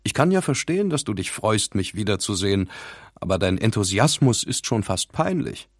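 A man voicing a vain, smug rival who taunts with mock surprise, in a lowish voice. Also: very animated, normal speed, no room sound, clean studio sound. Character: smug, mocking male rival, a vain show-off.

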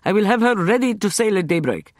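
A man voicing a steady, determined boat captain. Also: high-pitched, brisk, no echo, clean studio sound, pitched above the performer's own voice.

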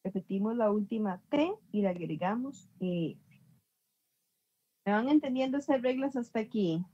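Teacher lady going over grammar rules slowly, keeps asking if everyone's got it, middle pitched voice. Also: lively intonation, dark tone, lo-fi sound. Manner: patient, repeats and checks understanding. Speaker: English teacher. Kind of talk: online class explaining grammar.

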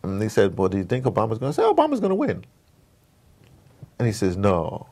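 An American man with a fairly low, slightly mellow voice talks fast, his pitch swooping wildly. He's a guest in a casual interview, an audio drama producer telling rambling, opinionated stories, digressing often and acting out conversations.

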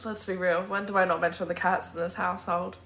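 Bright-voiced young woman livestreaming, emphatic. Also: fairly low pitch, level tone, fast, a little hiss or hum. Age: 20s. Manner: emphatic, sweary, opinionated. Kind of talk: casual livestream chat answering viewer comments. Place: indoor room at home with bookshelf. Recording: roomy echo from phone mic.

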